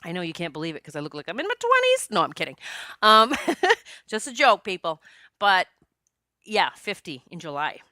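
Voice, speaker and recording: A woman in her late forties talks through a solo podcast episode. She is chatty and expressive, and her voice is bright and forceful. The sound is dry and close, with no room echo. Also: fairly low pitch, moderate pace. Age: 40s. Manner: chatty and expressive, jokes with listeners. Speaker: podcast host and psychic medium.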